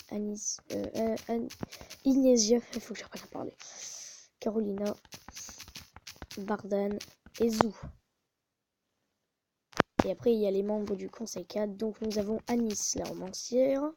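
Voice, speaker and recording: A woman's voice: mid-range voice, steady tone, unhurried, gravelly, long pauses, background noise. A woman hosting a casual gaming video, muttering to herself and often stopping to correct herself, recorded on a phone. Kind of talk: casual gameplay commentary.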